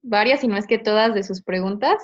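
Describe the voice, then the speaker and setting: A woman's voice: medium pitch, a little fast, dull audio. A woman teacher, patiently explaining a grammar lesson step by step and checking in with tag questions. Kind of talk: online class explanation.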